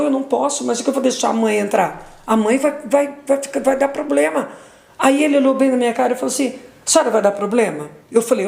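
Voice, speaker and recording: Middle-aged woman, gravelly higher voice, emotional testimony, echoey room. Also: a little mellow. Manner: retells dialogue, repeats words, voice leaps high in emotional moments. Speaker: mother giving a testimony.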